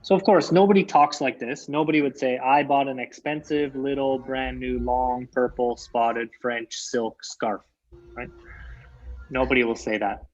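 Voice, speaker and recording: A man's voice: medium pitch, steady tone, measured pace, darkish tone, muffled recording. A Canadian man teaching an English lesson online, patiently repeating key phrases for his students.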